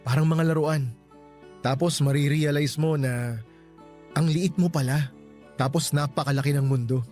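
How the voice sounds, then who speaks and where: An actor plays an easygoing young man courting a woman in a radio romance. His voice sits a little high, with casual, teasing delivery. Faint music plays behind the dialogue. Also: steady tone, normal speed, long pauses, a little mellow, close to an everyday voice. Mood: wistful, sincere.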